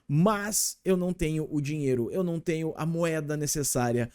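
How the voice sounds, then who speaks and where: A man's voice: a little high, moderate pace, noisy background. A man with a Brazilian Portuguese accent teaching English in a casual, chatty and enthusiastic way, talking straight to his viewers. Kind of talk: casual online lesson.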